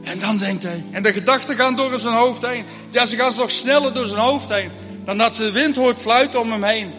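Male storyteller, high bright voice, hushed and suspenseful, long hall echo, faint music. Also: moderate pace. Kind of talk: dramatic Christian story narration.

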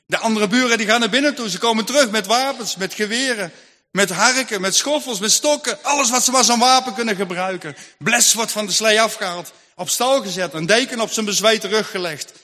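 A man's voice: high-pitched, brisk, pushed and bright. A man telling a Christian story in vivid, rhythmic narration. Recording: long hall reverb, faint music.

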